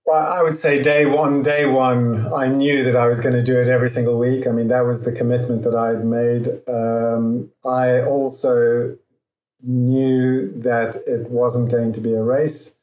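A man's voice: mid-range voice, flat delivery, a little mellow. Man with faint Zimbabwean accent, roomy sound. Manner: earnest, with frequent restarts and pauses. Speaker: guest, founder of a running event. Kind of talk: reflective interview talk. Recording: roomy echo.

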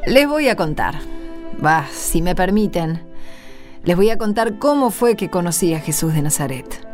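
A woman's voice: lowish voice, big pitch swings, moderate pace. An actress playing a village woman who tells her memories in a radio drama, intimate and reflective. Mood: wistful. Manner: intimate, reflective, repeats phrases. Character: older Galilean village woman recalling her hard youth. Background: string music.

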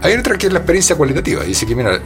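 A man's voice: fairly high pitch, big pitch swings, rapid-fire, music in the background. A man with a Chilean accent, a guest in a casual conversation, who talks hesitantly with many fillers and restarts.

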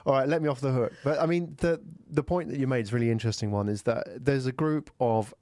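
A man in his forties hosts a casual interview at a middle pitch. He prompts his guest in a friendly way, with plenty of fillers. The recording is dry and close. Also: fast, a little mellow, dry recording. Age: 40s. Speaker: podcast host.

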